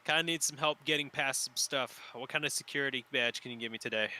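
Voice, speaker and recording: Very bright-voiced man player. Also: mid-range voice, fast, dry recording. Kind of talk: tabletop role-play.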